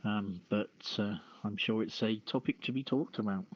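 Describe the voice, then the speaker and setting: A man's voice: on the low side, moderate pace, lo-fi sound, slight background noise. A man hosting a podcast, reading news aloud and adding casual remarks, stumbling over the odd word. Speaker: podcast host.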